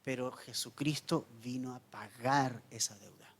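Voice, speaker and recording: A man preaching a sermon as pastor, telling the story dramatically with wide swings between loud emphasis and hushed lines. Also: mid-range voice, steady tone, measured pace. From Chile.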